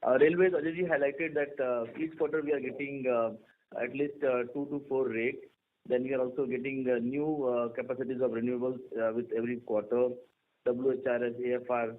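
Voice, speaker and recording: A man with an Indian accent, a company executive answering an analyst in halting, piecemeal phrases. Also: mid-range voice, steady tone. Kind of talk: answering an analyst on an earnings call. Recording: tinny phone or radio-like line.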